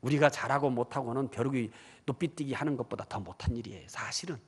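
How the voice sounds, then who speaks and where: A male pastor preaching a sermon, animated, asking the congregation questions and acting out believers' inner voices. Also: medium pitch, fast talker, husky. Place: church hall. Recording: church hall reverb.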